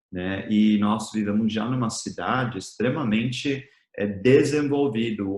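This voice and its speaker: An American man whose first language is English preaches a conversational sermon as a missionary in a language that isn't his native one, often closing phrases with a tag question. His voice is on the low side, and the recording has a roomy echo.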